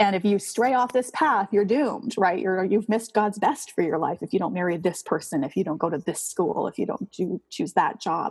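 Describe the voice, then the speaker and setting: A woman with a Western Canadian accent talks at a medium pitch with lively intonation and hardly any pauses. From Canada, Saskatchewan. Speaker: author and blogger. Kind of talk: interview conversation. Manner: frequent fillers and hesitations.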